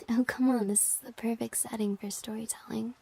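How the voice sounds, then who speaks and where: A woman playing a playful, flirty crush in an intimate ASMR roleplay, speaking in a soft, breathy whisper with a teasing, hesitant manner. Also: on the high side, fairly even intonation, normal speed, no echo. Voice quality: breathy, mostly unvoiced whisper.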